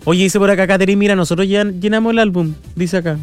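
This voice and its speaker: A young Chilean man hosting a radio show in casual chat, his nose stuffed up from a cold, chatty and relaxed with frequent filler tags. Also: high-pitched, quick pace, over loud music. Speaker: radio host. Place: radio studio.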